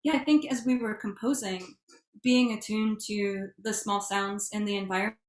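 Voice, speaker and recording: A woman's mid-pitched voice rings with room echo as she speaks on a panel. Her manner is reflective, feeling her way through ideas. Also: fairly even intonation, normal speed. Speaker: panelist, writer. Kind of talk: panel discussion. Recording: echoey room sound.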